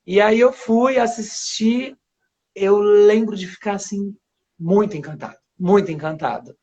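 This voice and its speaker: A man from Paraíba who grew up in São Paulo and speaks with a São Paulo accent, a guest actor chatting casually in an interview, rambling with restarts and soft laughs. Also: high voice, unhurried. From Paraíba, Brazil. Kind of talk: casual interview on a live stream. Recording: dull lo-fi live stream audio.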